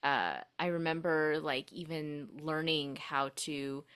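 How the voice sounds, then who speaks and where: Young woman with a low voice, reflective podcast guest with many fillers, grew up speaking Korean first. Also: takes it slowly, fairly bright tone, clean tone. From United States. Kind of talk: casual interview storytelling.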